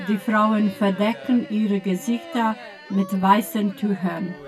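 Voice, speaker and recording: An actress playing a plain-spoken local woman guide with a foreign accent and halting, simple phrasing, in a radio play. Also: medium pitch, fairly even intonation, music in the background, lightly acted. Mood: matter-of-fact.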